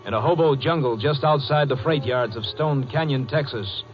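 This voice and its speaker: A man's voice: mid-range voice, moderate pace, over music. A man with an American accent narrating a 1950s radio drama in a formal, solemn, scripted style. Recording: muffled old radio broadcast.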